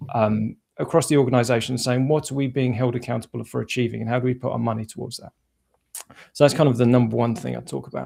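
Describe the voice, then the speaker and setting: In a dark, mellow tone and a flat monotone, a man with an American accent talks at a very fast pace, his loudness swinging a lot. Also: medium pitch for a man. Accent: southern English, with a little US southern. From southern England. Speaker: marketing executive. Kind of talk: interview. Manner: halting, many fillers and restarts.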